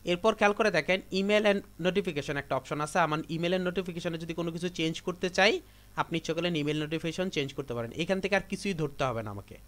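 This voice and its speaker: Higher-pitched man guiding a class. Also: fast, fairly bright tone. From Bangladesh. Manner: repetitive step-by-step instructions to students. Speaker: computer class trainer. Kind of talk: live classroom tutorial.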